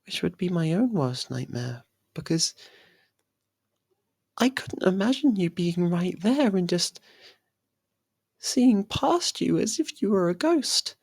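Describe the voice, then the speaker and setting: A performer voicing a possessive, lovestruck young faerie royal in an intimate ASMR roleplay, speaking softly and haltingly. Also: medium pitch, big pitch swings, breathy edge, dry recording, studio quality, heavily acted. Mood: worried. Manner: hesitant, halting, soft and pleading.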